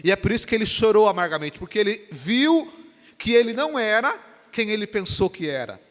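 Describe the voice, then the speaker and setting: A man from Brazil, a pastor, preaching an animated sermon in a church and acting out the dialogue of the story. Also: high voice, brisk. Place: church sanctuary. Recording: long church reverb.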